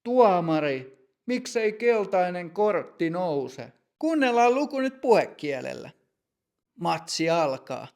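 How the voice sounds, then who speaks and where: Creaky-voiced man narrating a lesson. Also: sits high, sing-song, darkish tone. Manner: clear, measured reading. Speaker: language teacher narrator. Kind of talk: scripted story narration for learners.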